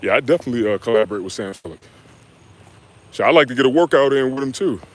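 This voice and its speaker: A young American fitness coach answers viewer questions on a live stream, reading chat comments aloud. His medium-pitched voice moves fast, and he's laid-back and slangy, talking straight to viewers with "y'all" and "man."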